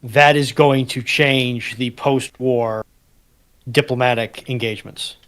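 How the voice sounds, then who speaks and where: Measured mid-pitched man discussing history. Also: steady tone, a bit bright. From United States.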